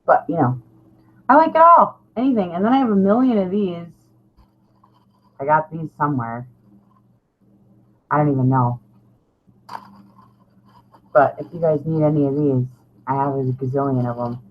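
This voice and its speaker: A woman's voice: low voice, normal speed, pauses often. A middle-aged woman chatting casually and ramblingly to viewers as a craft vlogger, informal, self-deprecating and a little salty. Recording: dull lo-fi sound, clear background noise.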